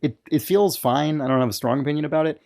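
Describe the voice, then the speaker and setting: A man hosting a casual podcast chat, relaxed, explaining things and making announcements to listeners. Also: fairly high pitch, fast. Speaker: podcast host.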